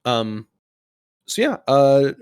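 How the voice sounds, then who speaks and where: A man's voice: medium pitch, big pitch swings, extremely slow, darkish tone, clear, resonant tone, no room sound, clean studio sound. A man hosting a casual gaming podcast, explaining a quiz in an informal, conversational way. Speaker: podcast host.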